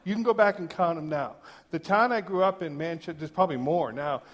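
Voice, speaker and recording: A man from New Hampshire, a pastor who gives a chatty sermon full of personal stories, and he slows down to read quotations. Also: on the high side. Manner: conversational and joking, reads quotes slowly. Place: large church sanctuary. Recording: long reverb of a big hall.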